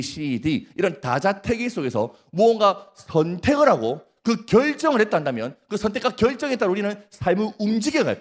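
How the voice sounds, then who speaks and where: A male pastor with a Gyeongsang accent preaching a sermon at a prayer meeting, often putting questions to the congregation and teasing them. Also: a little high. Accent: Gyeongsang Korean. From Gyeongsang region, Korea. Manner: questions the congregation, prompts replies, jokes. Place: church.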